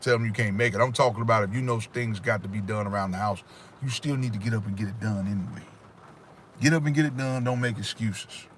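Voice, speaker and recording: This man's fairly low voice moves fast. As host of a laid-back livestream, he preaches emphatic life lessons right at his viewers, recorded on a phone or webcam facing him, with slight hiss or hum in the audio.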